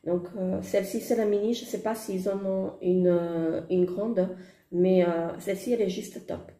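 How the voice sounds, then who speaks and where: A woman with a hoarse voice, chatting hesitantly through a makeup haul with many fillers and gushing exclamations. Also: mid-range voice, steady tone, normal speed, mellow, roomy sound. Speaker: beauty vlogger. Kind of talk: casual makeup haul chat. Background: construction noise.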